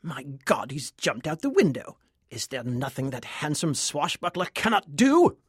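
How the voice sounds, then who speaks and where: A man's voice: on the high side, big pitch swings, moderate pace, noisy background. A man playing theatrical kitchen figures, rival and underling, in a melodramatic, arch audio play parody. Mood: melodramatic shock.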